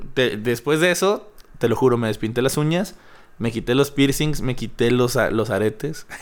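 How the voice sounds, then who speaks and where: With a plain, everyday voice, a man speaks at a medium pitch and moderate pace, his intonation lively. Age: 30s. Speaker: singer-songwriter. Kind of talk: casual interview.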